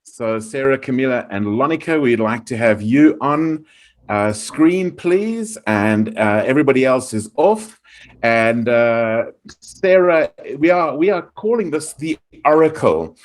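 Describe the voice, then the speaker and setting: A man introducing an improv game over a video call, pausing often with "uh". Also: mid-range voice, expressive. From South Africa. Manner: halting, many "uh" pauses.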